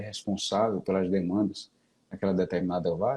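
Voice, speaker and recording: The speaker is a man with a fairly low pitch. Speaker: accountant and forensic expert. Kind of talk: live webinar discussion. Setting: online live stream. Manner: verbose, detailed.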